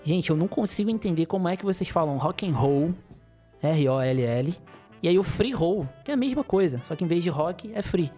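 A man's voice: fairly high pitch, expressive, brisk, mellow, faint music behind. Chatty Rio de podcast man. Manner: rambling, chuckling, playful griping. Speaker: podcast host. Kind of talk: casual solo podcast monologue.

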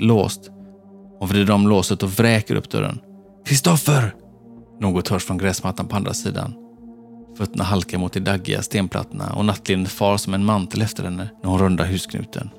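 Low gravelly male narrator. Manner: tense, measured storytelling. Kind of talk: scripted horror narration. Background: faint background music.

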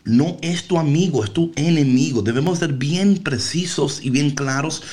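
A man's voice: on the high side, moderate pace, a little mellow. A man hosting a casual motivational talk, explaining things with rhetorical check-in questions and slipping English words and phrases into his Spanish. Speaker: talk show host.

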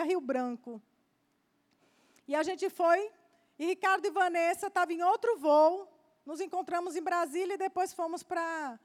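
A woman preacher giving a fervent sermon, often dropping softly to address her listeners as beloved. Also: very high-pitched.

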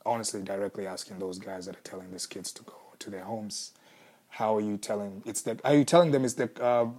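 A young man with a Kenyan accent, talking slowly and thoughtfully about his life. His voice sits fairly low, and he often stops to restart his sentences. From Congo, raised in Kenya. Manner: thoughtful, searching, with soft laughs and restarts. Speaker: musician, former refugee. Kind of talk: reflective interview answers.

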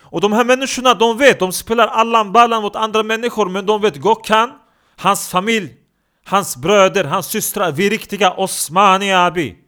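A man voicing a boastful young man who is quick to insult others, talking bluntly in broken street Swedish in a comedy podcast sketch. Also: high-pitched, pushed and bright, smooth, voice pushed up. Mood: brash, scornful.

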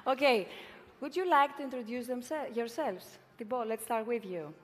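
A woman moderating an event informally, in a halting way. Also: fairly high pitch, lively intonation. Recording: echoing hall.

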